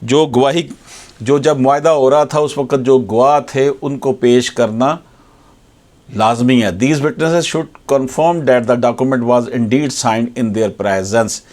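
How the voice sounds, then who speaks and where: A man's voice: mid-range voice, darkish tone. Pakistani man giving a formal legal explainer. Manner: formal, repeats key points, switches into slowly read-out English. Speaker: advocate presenting legal explainers. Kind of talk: explanatory legal lecture to viewers.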